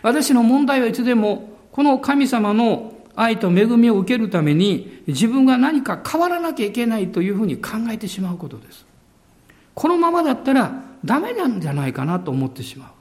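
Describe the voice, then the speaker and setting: A male pastor preaching a sermon with emphasis, drawing out key words slowly. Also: very high voice, big pitch swings, darkish tone.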